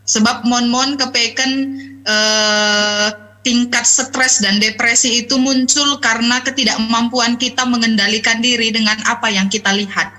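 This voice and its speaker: A woman pastor preaching in an easy, conversational way, drifting into personal anecdotes and pausing often on her words. Her voice sits a little high and rings bright and forceful. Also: fairly even intonation, soft background music. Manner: chatty, anecdotal, with frequent hesitations. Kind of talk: conversational sermon.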